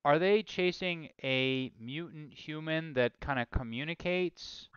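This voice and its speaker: An enthusiastic male host working out a game plot with a guest and asking question after question. His voice is smooth and resonant, recorded dry and close. The sound is slightly dull. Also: a little high, unhurried, no room sound. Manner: enthusiastic, asks lots of questions, self-correcting. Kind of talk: casual brainstorming chat.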